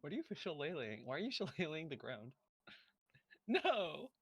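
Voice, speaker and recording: An excitable male tabletop player with a fairly high, very animated voice. It is forceful and husky, recorded dry and close, with halting casual banter. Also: no room sound. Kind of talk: casual game banter, partly in character.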